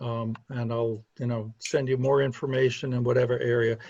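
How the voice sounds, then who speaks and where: A man with a Brooklyn accent, somewhat breathy. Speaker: paranormal researcher and lecturer. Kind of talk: casual chat.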